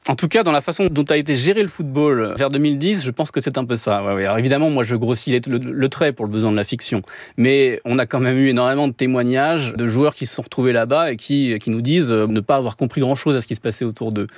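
Novelist guest, 30s male from France, measured and hesitant, dry close sound. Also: medium pitch, no room sound. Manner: thoughtful, hesitant, many pauses with fillers. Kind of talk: radio interview answers.

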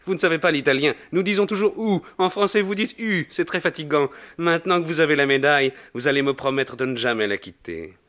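A fussy, kindly old pope who chatters and teases, his pitch darting high and then sinking low, as a man puts him on. He is theatrical and fond, and his lively voice swoops all over the place in a storybook reading. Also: fairly quick, few pauses.

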